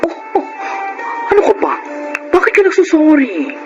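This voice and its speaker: A man acting a flamboyant, campy gay best friend in a Filipino radio drama, with animated, effusive banter and a Filipino accent. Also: extremely high pitch, moderate pace, muffled recording, exaggerated voice. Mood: teasing. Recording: music bed under the voice.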